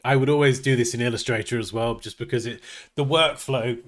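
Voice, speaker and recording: A man's voice: medium pitch, steady tone, a little fast. A man hosting a live design tutorial, talking casually as he works, sniffly and nasal from a blocked nose. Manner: chatty, thinking aloud while working. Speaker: graphic design livestream host.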